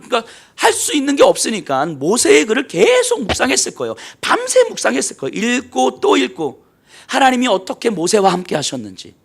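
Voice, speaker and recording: A man preaching a sermon as pastor, telling the story dramatically and acting out the voices of people in it, swinging between loud bursts and hushed near-whispers. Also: high-pitched, vocal fry, breathy edge. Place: church sanctuary.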